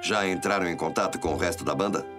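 Actor as very deep-voiced grave noir police detective. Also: male voice, fast, over music, lightly acted. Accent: Brazilian. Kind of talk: noir audio drama acting.

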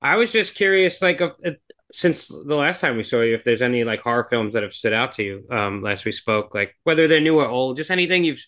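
A man co-hosting a podcast who talks in loose, rambling sentences. His pitch sits in the middle, neither high nor low. He swears now and then in a relaxed, casual way. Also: a little fast. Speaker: podcast co-host. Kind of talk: casual chat.

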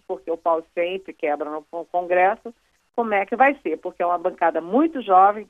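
A woman's voice: lowish voice, dry recording. A Brazilian woman calling in to a radio news show, explaining politics in a chatty, conversational way with frequent fillers. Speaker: political commentator. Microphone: phone call. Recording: tinny phone line.

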